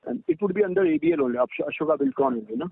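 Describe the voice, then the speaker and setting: A man with an Indian accent asking questions as an investor on an earnings call, polite and halting, over a phone line. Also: fairly high pitch, animated, vocal fry, husky, no echo.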